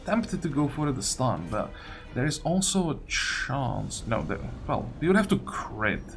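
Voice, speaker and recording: A man commenting casually on a game as he plays. He talks in short, muttered reactions with unhurried timing and a pitch that moves around a lot. Game music plays underneath. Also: sing-song, gravelly. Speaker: gaming video creator playing and commenting.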